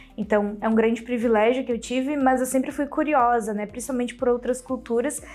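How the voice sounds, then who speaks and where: Music plays behind a woman's fairly high-pitched voice. Her intonation stays fairly even. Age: 30s. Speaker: tech recruiter. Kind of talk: interview testimony.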